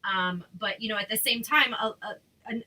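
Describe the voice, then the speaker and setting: Bright-voiced woman, chatty host. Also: fairly high pitch, normal speed. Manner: chatty, many fillers and restarts. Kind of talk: casual chat.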